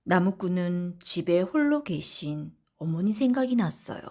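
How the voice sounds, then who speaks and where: A woman narrating children's bedtime folktales in an expressive storyteller's manner, addressing young listeners. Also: lowish voice, unhurried. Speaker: audiobook narrator.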